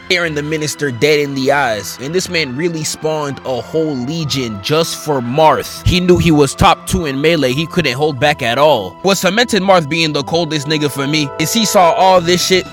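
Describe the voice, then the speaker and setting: A man with a moderately high-pitched voice delivers comedic gaming commentary in heavy slang. He tells it like an animated hype story, exaggerating his outrage, with music running underneath. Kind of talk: hyped comedic reaction commentary in slangy talk. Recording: music playing behind the voice. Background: background music.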